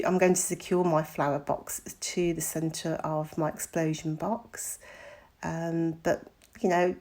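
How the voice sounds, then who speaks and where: A middle-aged woman recovering from an illness talks casually through a craft tutorial, umming frequently. Her voice is croaky, fairly low and dark.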